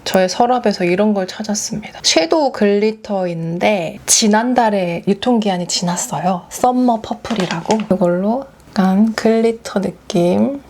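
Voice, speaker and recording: A woman's voice: mid-range voice, normal speed, hardly any pauses. A young woman vlogger chatting through a story while doing her makeup, acting out what other people said. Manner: animated storytelling, acting out quoted voices. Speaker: beauty vlogger.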